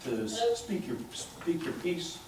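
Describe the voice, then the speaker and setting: Gruff, blunt man on a council. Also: on the high side, lively intonation, measured pace, slight background noise. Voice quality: gruff, loud voice. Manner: blunt, defiant. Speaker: council member. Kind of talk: meeting debate. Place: council chamber. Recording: very echoey chamber audio from far off.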